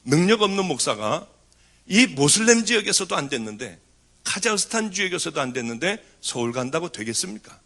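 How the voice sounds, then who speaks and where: A middle-aged man, a pastor, giving an animated testimony in a sermon. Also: on the high side, a little fast. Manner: animated storytelling, voice rising and falling.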